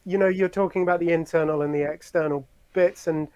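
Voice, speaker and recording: Guest: man, slightly higher voice, thoughtful and measured, dry close sound. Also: fairly even intonation, a little mellow, smooth, no room sound, highs cut off. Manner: thoughtful, measured, with hedging fillers. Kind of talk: conversational interview.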